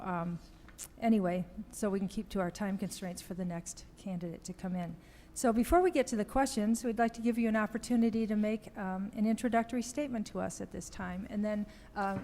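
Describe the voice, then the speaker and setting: A woman chairing a township meeting, explaining the procedure haltingly with many ums. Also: mid-range voice, darkish tone, slight background noise. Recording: long hall reverb with faint ambience.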